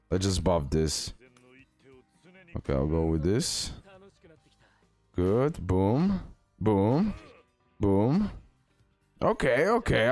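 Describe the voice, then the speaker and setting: A man giving casual, excitable gameplay commentary, repeating words and talking straight to his viewers. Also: on the low side. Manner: excitable, repetitive, addresses viewers directly. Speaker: gaming content creator, host. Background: music.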